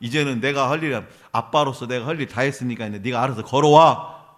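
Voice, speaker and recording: A man's voice: medium pitch, brisk, a bit bright. A man preaching a sermon as a pastor in a church, emphatic, asking the congregation questions and answering them himself. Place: church sanctuary.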